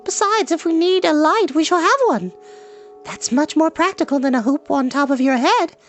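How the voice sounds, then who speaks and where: A man's voice: extremely high pitch, lively intonation, moderate pace, a bit bright, faint music behind, voice pushed up, full character voice. A man voicing a spirited, chatty, headstrong young princess in a storybook, with breezy, emphatic declarations. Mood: breezy, decided. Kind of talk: animated storybook character voice.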